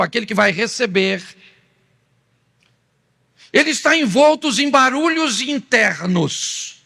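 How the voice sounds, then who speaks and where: A man with a Brazilian Portuguese accent preaching a sermon as pastor, animated and theatrical. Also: extremely high pitch, vocal fry. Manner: animated, acts out quoted spouses in changing voices.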